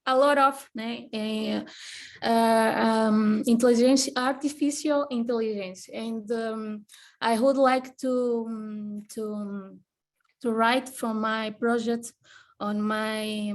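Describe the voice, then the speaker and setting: A woman student, asking a question haltingly and searching for words in English. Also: fairly high pitch. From Portugal. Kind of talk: asking a question in an online session.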